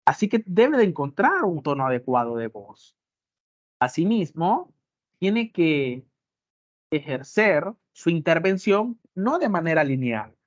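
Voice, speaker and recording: A man's voice: on the high side, very animated, slow pace, no room sound. A man lecturing a class on courtroom speaking, emphatic, with many rhetorical questions. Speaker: law lecturer. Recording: dull muffled dry sound.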